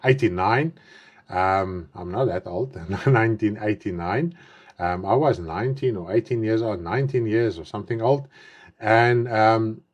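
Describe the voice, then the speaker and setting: A man's voice: fairly low pitch, measured pace, lo-fi sound. A man in his fifties whose first language is Afrikaans, preaching an online sermon in English with an Afrikaans accent. He talks earnestly, repeating and rephrasing himself with emphatic stresses, and says his mouth is dry. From South Africa. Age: 50s. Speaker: pastor.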